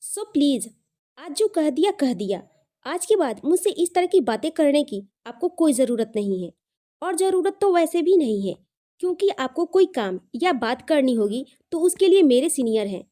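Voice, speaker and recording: A woman narrator acts out a proud young woman in an audio romance. She scolds in a high, lively swooping voice with a soft, mellow tone, dramatic and indignant, dropping English words into her speech. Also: normal speed. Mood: indignant, scolding. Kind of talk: dramatised audio love story dialogue.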